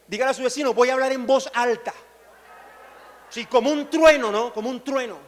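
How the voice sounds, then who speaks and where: A man preaches with a strikingly high voice, calling on his congregation to answer him and repeat his phrases. The sound rings with a long church-hall reverb. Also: fairly even intonation, brisk. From Colombia. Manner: call-and-response, urging the congregation to repeat phrases. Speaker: pastor. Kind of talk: sermon.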